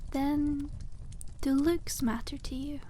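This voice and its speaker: A woman voicing a cute, kindly witch shopkeeper in an ASMR roleplay, speaking softly and teasingly with old-fashioned courtesy. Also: high voice, steady tone, slow pace, a little hiss or hum. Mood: gentle, attentive. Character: cute, coy, kindly witch selling dragon eggs. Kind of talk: ASMR roleplay, scripted and addressed to listener.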